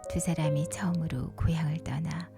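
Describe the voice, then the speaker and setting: A woman whispers a bedtime story softly and breathily, leaning into a gentle, unhurried narration with short pauses between phrases. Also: deep voice, little pitch movement, gravelly. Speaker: narrator retelling a film story for sleep. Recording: soft music behind the whispering. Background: music.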